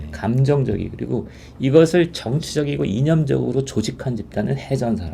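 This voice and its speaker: Very wide pitch swings mark a man's medium-pitched voice at a moderate pace. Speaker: political commentator. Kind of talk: casual political discussion. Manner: halting.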